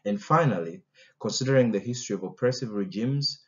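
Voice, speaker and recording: A young man from Uganda, a doctoral candidate, presenting a research summary in a measured way with frequent "uh" fillers. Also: on the low side, muffled recording. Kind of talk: prepared research summary talk.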